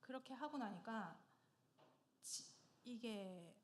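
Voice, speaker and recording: High-voiced woman telling a lively church testimony. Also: takes it slowly. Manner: lively storytelling, often breaking into laughter. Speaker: church deaconess giving testimony. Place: church sanctuary. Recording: echoey church hall.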